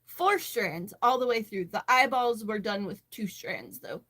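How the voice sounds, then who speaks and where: Slow-paced American woman, casual livestream chat. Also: mid-range voice, animated, fairly bright tone, slightly rough. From western Massachusetts, United States. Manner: chatty, reading and answering viewer comments. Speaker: livestream host, crocheter.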